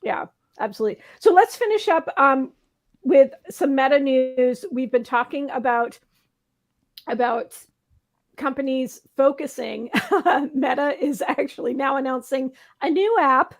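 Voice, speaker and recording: A woman hosts a casual panel chat with a slightly hoarse, somewhat high voice. She is chatty and laughs often. She keeps throwing rhetorical questions out to the panel. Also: measured pace. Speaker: talk show host.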